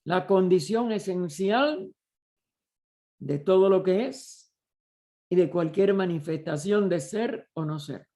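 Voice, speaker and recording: A man leading a study group, explaining a text slowly and deliberately, often pausing and restarting as he searches for words. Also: high-pitched, lively intonation, mellow. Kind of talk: slow explanatory study lecture.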